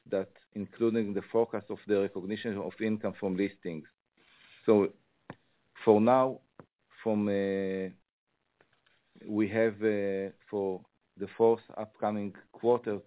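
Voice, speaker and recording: A man with an Israeli accent answers on an earnings call as a finance executive, phrasing things haltingly. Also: fairly low pitch. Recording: muffled, tinny phone conference line.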